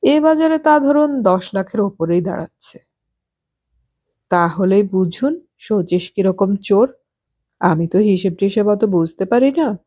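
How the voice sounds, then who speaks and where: A woman voicing a nosy, gossipy well-off married woman in an audiobook, chatty and sharp-tongued. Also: mid-range voice, expressive, measured pace, pauses often. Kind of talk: audiobook character voice.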